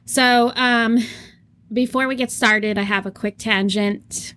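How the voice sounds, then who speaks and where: A woman's voice: on the high side, steady tone, slow, fairly bright tone. A woman co-hosting a casual podcast, telling stories, laughing often and acting out what people said. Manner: storytelling, laughing often, acts out quotes. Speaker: podcast co-host.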